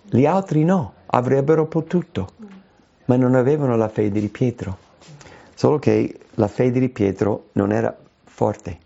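A man delivers a sermon with a gravelly, mellow voice. His pitch swoops widely, jumping high when he acts out quoted cries. The recording is dull and lo-fi. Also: a little slow. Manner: animated preaching, voice leaping high when quoting cries. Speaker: preacher.

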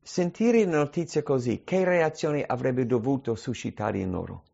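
A male preacher delivers a sermon at a middle pitch and presses his points with rhetorical questions. The recording sounds dull and lo-fi. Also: lively intonation, normal speed, gravelly, mellow. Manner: emphatic, asks many rhetorical questions.

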